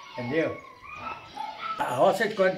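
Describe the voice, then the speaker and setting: A man with a high-pitched voice speaks against noticeable background noise. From rural Goiás, Brazil. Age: 60s. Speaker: local farmer. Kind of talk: casual interview. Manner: halting. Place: street.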